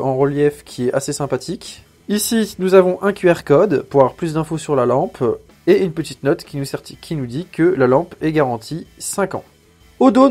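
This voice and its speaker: A man's voice: fairly high pitch, a little mellow. A man hosting a sponsored unboxing video, talking in a chatty, joking way and explaining each step, with frequent fillers. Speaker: channel host reviewing gear. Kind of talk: sponsored product unboxing vlog.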